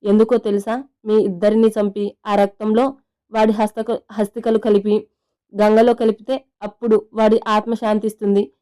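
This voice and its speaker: A woman's voice: medium pitch, little pitch movement, normal speed, natural voice. A woman voicing a vengeful father in his fifties. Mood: enraged. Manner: threatening, shouting accusations.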